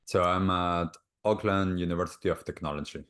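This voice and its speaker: A man from Argentina with an Argentine Spanish accent, speaking slowly and gently as a guest healer on a video call, often repeating words as he searches for the next one. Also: low-pitched, fairly even intonation. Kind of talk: calm reflective interview answers.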